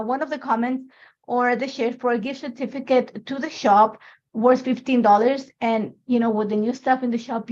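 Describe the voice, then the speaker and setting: A woman with a high voice hosts a live craft tutorial. She is a native Spanish speaker and talks in an informal, chatty, meandering way. The livestream sound is somewhat dull and muffled.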